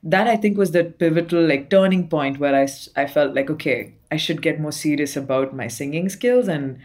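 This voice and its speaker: Chatty woman, fairly low voice. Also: normal speed, darkish tone. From Dubai. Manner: chatty, laughs often, many fillers. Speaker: guest singer-songwriter. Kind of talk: casual interview chat.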